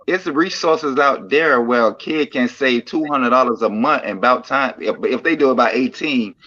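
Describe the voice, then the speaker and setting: A man's voice: mid-range voice, moderate pace, pushed and bright, muffled recording. A man on a casual panel chat, dropping short agreements and casual slang.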